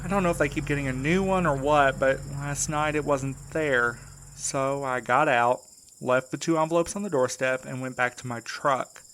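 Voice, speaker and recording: A man's voice: medium pitch, steady tone, normal speed, fairly bright tone, a little hiss or hum, close to an everyday voice. A man playing an exhausted, wry mail carrier in a naturalistic audio drama, talking in a weary, dry way. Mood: recounting, uneasy. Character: battered, exhausted young male mail carrier, wry and evasive.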